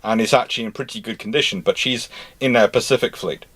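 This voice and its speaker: A man's voice: lowish voice, quick pace, fairly bright tone, husky. A man in a casual live discussion of naval history, talking in a detailed, pedantic way. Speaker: live show panellist answering naval history questions.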